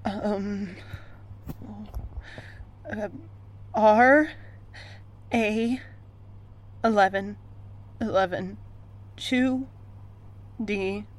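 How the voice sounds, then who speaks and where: A woman playing a lonely, weary and hesitant moon dweller in a sci-fi audio drama, halting and awkward. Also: mid-range voice, low-quality recording. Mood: anxious, halting.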